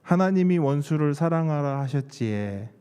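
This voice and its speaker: A man's voice: a little high, animated, normal speed, mellow, clean tone, pitched below the performer's own voice, natural voice. A male preacher acts out an earnest churchgoer with a homely Busan accent. The figure confides in the pastor in a folksy way, as in a sermon anecdote. The voice carries long hall reverb.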